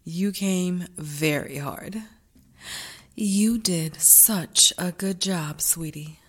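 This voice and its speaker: A woman playing a tender, teasing caretaker who speaks softly and often whispers. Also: mid-range voice, lively intonation, slow, husky, exaggerated voice. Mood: soothing. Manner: soft, soothing, often whispering. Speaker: married woman caring for her lover. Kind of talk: adult audio roleplay.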